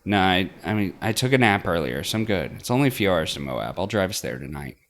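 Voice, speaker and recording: A man voicing a wry, teasing but soft-hearted young woman in visual novel dialogue, talking casually. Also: deep voice, very animated, quick pace, full character voice.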